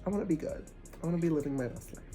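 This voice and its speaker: A congested young man giving animated, preachy spiritual advice in a casual vlog, with sarcastic asides. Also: a little high, rapid-fire, faint music behind. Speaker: vlogger.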